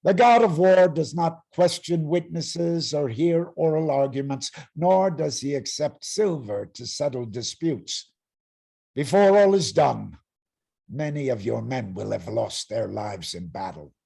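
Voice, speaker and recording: An actor playing an arrogant, menacing herald in a Greek tragedy reading, threatening and declamatory in a rasping voice. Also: male voice, on the high side, animated, unhurried, warm tone, exaggerated voice. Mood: cold threat. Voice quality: gravelly, rasping. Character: menacing, arrogant herald claiming women as property. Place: online video-call reading.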